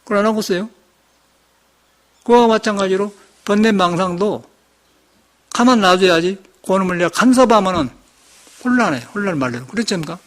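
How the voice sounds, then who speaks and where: A man's voice: high-pitched, expressive, a little fast, pauses often. An older man with a slight Jeolla accent giving a Buddhist sermon in a folksy, storytelling way. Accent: slight Jeolla Korean. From Jeolla region, Korea. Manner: folksy storytelling, chuckles, acts out quoted speech. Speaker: Buddhist monk giving a dharma talk.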